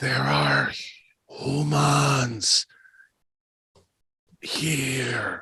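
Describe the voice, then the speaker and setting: A man's put-on character voice, whispering, raspy and breathy. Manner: whispering, stage whisper.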